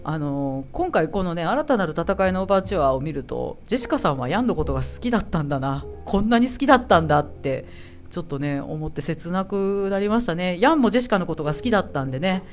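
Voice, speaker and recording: A woman's voice: fairly low pitch, animated, fast talker, hardly any pauses, soft background music. A woman with a Kansai accent hosting a solo chat podcast about anime, chatty and laughing often as she acts out the characters' lines. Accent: Kansai Japanese. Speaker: podcast host.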